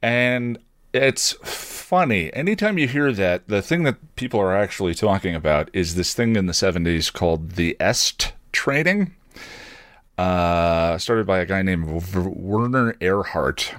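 A man's voice: low voice, lively intonation, unhurried, fairly bright tone, no echo, studio quality. A man hosting a casual solo podcast, talking in a digressive, self-deprecating way and often correcting himself mid-thought. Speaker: podcast host.

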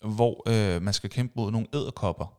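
A man's voice: lowish voice, a little mellow. A man hosting a podcast, telling personal stories in a casual chat and acting out screams and sound effects. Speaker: podcast host.

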